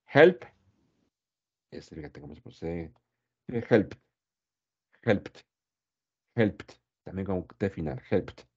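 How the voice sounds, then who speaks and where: A man's voice: deep voice, animated, takes it slowly, pauses often, a little mellow, husky, dull audio. A man teaching English grammar in Spanish, who explains patiently and drills pronunciation by repeating each word several times.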